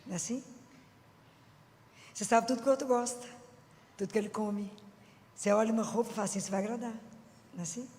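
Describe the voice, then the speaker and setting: A woman with a Minas Gerais accent giving a lively Catholic preaching talk, chatty and folksy, often asking the audience questions. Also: fairly high pitch, quick pace, pauses often. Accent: Minas Gerais Brazilian Portuguese. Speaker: Catholic lay speaker. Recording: long hall reverb.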